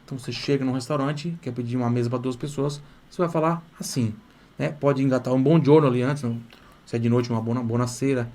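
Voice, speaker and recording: A middle-aged man, teaching Italian in a live online lesson, drilling phrases slowly and asking students to repeat them aloud. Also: medium pitch, fairly even intonation, dark tone.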